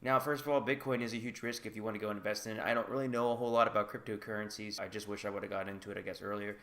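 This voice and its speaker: His voice is lowish and steady in tone, a bit bright, and he talks very fast. The speaker is an American vlogger whose first language is English, casually sharing his personal experience on camera with a chatty, candid manner and hedges like "like" and "I guess."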